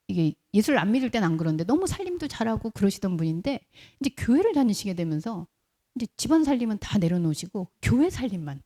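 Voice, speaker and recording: A woman pastor with a warm, mid-range voice preaches a conversational sermon. She tells stories, asks the congregation rhetorical questions, and briefly acts out quoted voices mid-speech.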